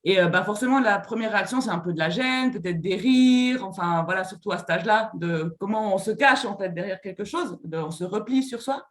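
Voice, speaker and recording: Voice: medium pitch, brisk, few pauses. Panelist on a video call, lots of ums, echoey room, medium voice. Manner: hesitant, many fillers, lively examples. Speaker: language theatre facilitator. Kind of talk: panel answer.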